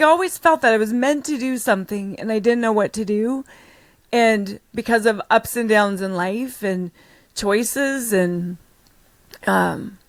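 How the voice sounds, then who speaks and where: In an unremarkable speaking voice, a woman talks at a moderate pace and a fairly high pitch. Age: 60s. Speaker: leadership coach. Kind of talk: interview.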